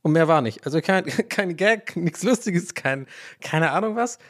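A man's voice: sits high, expressive, a little slow. A man born in Ireland whose first language is English, hosting a casual solo podcast and rambling, losing his thread and laughing at himself. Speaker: podcast host.

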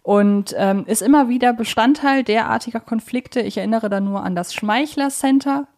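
A woman's voice: a little high, moderate pace, darkish tone. A woman co-hosting a podcast, talking in a chatty, explanatory way. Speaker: podcast co-host. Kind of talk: conversational podcast discussion.

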